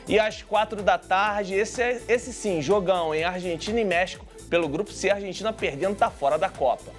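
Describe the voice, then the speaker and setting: Brief: male TV sports reporter, high-pitched, chatty, light music under. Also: brisk. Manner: chatty asides to viewers.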